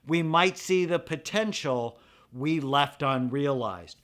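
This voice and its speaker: A man's voice: a little high, slow pace, fairly bright tone. A man reading a scripted inspirational manifesto aloud.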